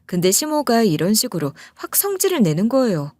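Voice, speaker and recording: A woman's voice: fairly high pitch, very animated, fairly quick, darkish tone, no echo. Woman narrating a story, dry and close. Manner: confiding, conversational.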